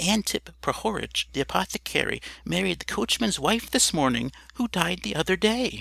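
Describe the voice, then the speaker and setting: A man's put-on character voice, timid and shaky, fairly high-pitched for a man, at a moderate pace, with a dry, close sound, no echo, and a very clean recording over a silent background. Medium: read story. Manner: timid, hesitant.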